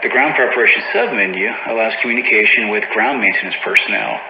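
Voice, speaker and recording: A man's voice: lowish voice, fast. Male tutorial narrator, procedural and matter-of-fact, reading from a script; lo-fi, echoey sound. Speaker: tutorial narrator for a flight simulator. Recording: dull, roomy lo-fi audio with faint noise.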